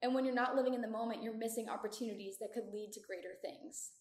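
Higher-voiced young American woman, echoey room. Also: quick pace, a little mellow. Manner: candid, chatty, informal, frequent "like". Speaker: podcast host. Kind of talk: casual solo podcast chat. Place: echoey community room of an apartment building.

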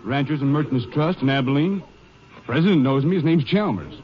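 An actor playing a plain-spoken, protesting cattle buyer in a 1950s radio western. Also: male voice, medium pitch, expressive, fairly quick, lightly acted. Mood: aggrieved. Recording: dull old radio recording with music.

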